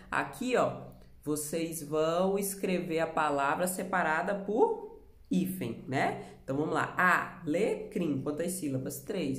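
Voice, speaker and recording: Brazilian woman teacher, patient, in an echoey room. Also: fairly low pitch. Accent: Brazilian Portuguese. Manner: patient, explains slowly, asks the class questions. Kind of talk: remote lesson for children.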